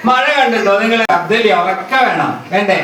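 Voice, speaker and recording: A woman teacher coaxing a crowd of children, calling out questions again and again and urging them to answer louder. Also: medium pitch, brisk. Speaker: teacher leading a school welcome event. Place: large hall full of children. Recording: echoey hall from far off, crowd noise.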